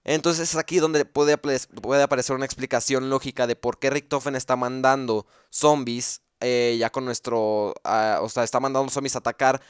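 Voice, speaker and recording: A man's voice: mid-range voice, fairly even intonation, normal speed, few pauses, clean tone, no room sound, studio quality. A man gives casual commentary explaining video game lore. He thinks aloud, with frequent fillers and restarts.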